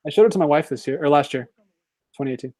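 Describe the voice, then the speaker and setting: Man, mellow warm voice, dry close sound, relaxed wry co-host. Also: on the high side, rapid-fire, dry recording. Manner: relaxed, wry, laughs often. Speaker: podcast co-host. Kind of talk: casual commentary chat.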